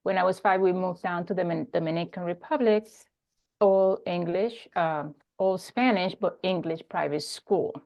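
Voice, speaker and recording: A woman from New York City chatting casually with her coach, telling her background in a relaxed way. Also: lowish voice, moderate pace. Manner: relaxed storytelling, laughs lightly. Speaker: coaching client. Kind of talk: casual chat. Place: video call.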